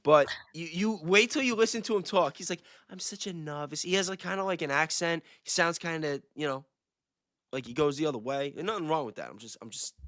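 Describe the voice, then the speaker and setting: Bright, high-voiced man chatting casually. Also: brisk, dry recording, clean studio sound. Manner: slangy, emphatic, repeats points. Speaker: livestream panelist. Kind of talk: casual chat.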